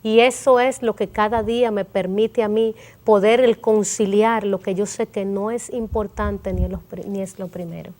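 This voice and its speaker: A woman's voice: mid-range voice, steady tone, normal speed, hardly any pauses, a little mellow. A woman telling an emotional story of prayer and a vision as a guest on a Christian talk show, quoting her own prayers.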